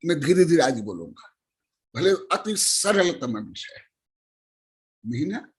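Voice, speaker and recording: Older man preaching, high-pitched and slow, scolds and questions the listeners. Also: very animated. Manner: scolding, questioning the audience, bursts of loud emphasis. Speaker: Jain monk teaching scripture. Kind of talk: sermon to lay listeners.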